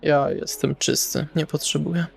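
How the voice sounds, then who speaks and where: A man's voice: on the high side, normal speed, vocal fry, slightly rough. A man playing in a tabletop roleplaying game, speaking casually as his character.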